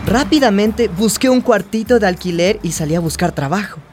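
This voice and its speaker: A woman's voice: medium pitch, animated, normal speed, natural voice. An actress playing a hopeful young trans woman from a small town, narrating her story earnestly in a radio drama. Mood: earnest, nostalgic. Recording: music bed behind the voice.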